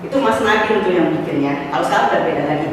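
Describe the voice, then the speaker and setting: Animated woman in an echoey hall. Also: low-pitched, rapid-fire, distant mic, a little hiss or hum. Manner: animated storytelling, rising to exclamations; mixes in casual slang and english words. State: has a cough. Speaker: testimony speaker at a church fellowship. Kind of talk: personal testimony. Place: church hall.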